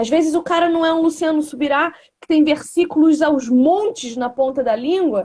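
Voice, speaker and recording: In a Rio de Janeiro accent, a woman speaks at a moderate pace with a high pitch and ordinary pitch variation. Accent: Carioca Brazilian Portuguese. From Rio de Janeiro, Brazil. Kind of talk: casual conversation on faith. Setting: Instagram live stream.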